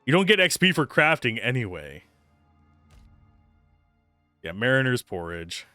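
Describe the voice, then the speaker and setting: A man's voice: mid-range voice, sing-song, measured pace, pushed and bright, clean tone, no room sound. A man streams a game, commenting and reading its text aloud. His intonation moves around a lot. The sound is close and dry, with faint game music behind.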